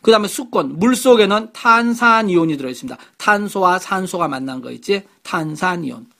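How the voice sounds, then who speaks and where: A man's voice: sits high, expressive, a little fast, creaky, fairly bright tone. A man teaching a middle school science lecture online in a chatty way, repeating key words and checking in with rhetorical questions.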